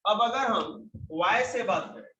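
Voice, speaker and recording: A male teacher giving a spoken English lesson to a class, slowly explaining each example sentence in Hindi and English. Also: high voice, lively intonation, sharp tone, roomy sound, muffled recording, slight background noise.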